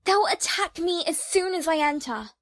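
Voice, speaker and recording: A woman's voice: extremely high pitch, expressive, normal speed, dry recording, clean studio sound. A woman playing a practical, determined young heroine in an audio drama, speaking directly. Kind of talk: amateur audio drama acting.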